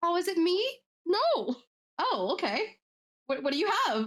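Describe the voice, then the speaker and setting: A woman does a put-on character voice, extremely high and bubbly, with very wide pitch swings. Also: fairly slow pace. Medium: actual play. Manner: bubbly, chatty.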